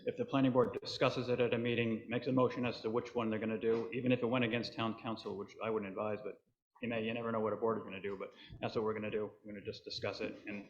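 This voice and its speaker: A man's voice: lowish voice, level tone, rapid-fire, a little hiss or hum. A man chairing a town planning board meeting, walking through motions and votes in a plain, procedural way. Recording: dull audio in a reverberant meeting hall.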